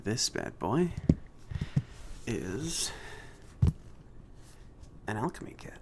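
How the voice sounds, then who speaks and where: A man playing a friendly, awkward mage shopkeeper in an ASMR roleplay, speaking softly and haltingly, often near a whisper. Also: medium pitch, sing-song, very noisy, heavily acted. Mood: helpful, relaxed. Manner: hesitant, halting, casual.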